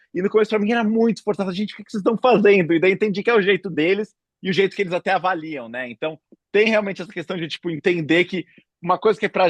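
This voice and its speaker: A man with a high pitch talks at a very fast pace with ordinary pitch variation. The sound is dry and close, with no echo. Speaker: panel moderator, advertising creative. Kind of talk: panel discussion.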